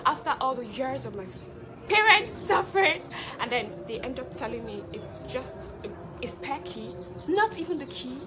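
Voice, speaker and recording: A woman's voice: sits high, lively intonation, normal speed, noisy background. A woman playing a proud young Hausa woman who speaks with a Nigerian Hausa accent and talks in a formal, speech-giving way. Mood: speechifying. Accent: Hausa Nigerian English. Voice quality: formal, speech-giving, then loud laughing banter. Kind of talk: comedy skit acting.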